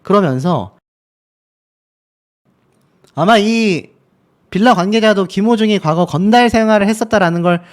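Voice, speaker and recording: A man's voice: high-pitched, a little fast. A man hosting a news commentary channel, talking viewers through video clips step by step in a casual, conversational way. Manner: talks the viewer through clips step by step, leading each point with an aside.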